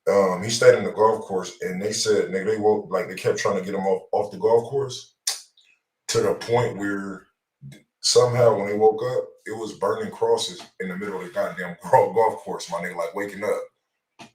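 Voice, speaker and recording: A man's voice: fairly low pitch, fairly even intonation, normal speed, darkish tone, recorded from a distance. A man co-hosting a casual talk show, telling stories in slangy, profane, repetitive speech, recorded in a roomy space away from the mic. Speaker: radio show co-host. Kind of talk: casual chat.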